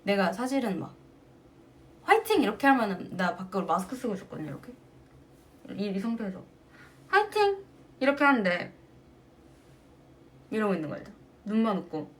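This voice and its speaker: A woman chats casually with her fans over a livestream, her pitch swinging widely as she tells stories. She laughs often between phrases and keeps an easy, animated way of talking. The sound comes through a phone mic. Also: fast talker, pauses often. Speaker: singer hosting a fan livestream.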